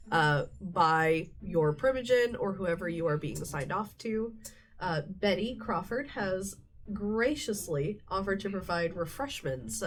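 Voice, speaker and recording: A woman running a tabletop role-play game, setting scenes in a conversational, improvised way. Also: mid-range voice. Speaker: game master.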